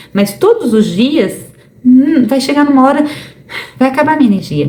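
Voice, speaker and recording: A woman's high pitch and lively intonation at a moderate pace, over noticeable background noise. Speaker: psychologist and hypnotherapist. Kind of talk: casual educational talk to camera.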